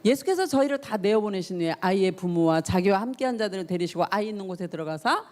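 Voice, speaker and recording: This youth pastor talks fast, her medium-pitched voice darkish in tone with lively intonation. Preaching to teenagers, she tells the story feelingly, performs the characters' voices, and addresses questions directly to her listeners.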